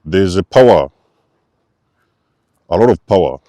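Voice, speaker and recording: A man's voice: low voice, animated, unhurried, dark tone, no echo. A man hosting a spiritual channel, giving an emphatic, repetitive preacher-like talk to his viewers. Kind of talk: spiritual teaching monologue.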